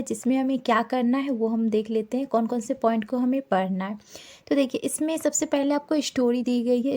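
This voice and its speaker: Female tutor, explanatory and repetitive, a bit high-pitched. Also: darkish tone. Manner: explanatory, repeats herself often. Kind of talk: exam-prep lesson explaining a syllabus.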